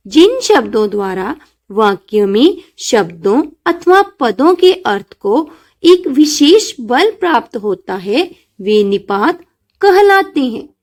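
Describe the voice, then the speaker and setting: A woman's voice: fairly high pitch, a little mellow. A woman with an Indian accent teaching an online school lesson to children, patiently explaining and calling them dear. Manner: slow, patient, addresses pupils as children and dear.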